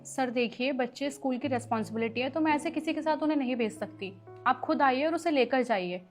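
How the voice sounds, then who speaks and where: Stern, lecturing principal, played by a woman, high-pitched voice, soft music behind. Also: fairly quick, close to an everyday voice. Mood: firm. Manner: firm, lecturing. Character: stern caring female school principal. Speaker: school principal.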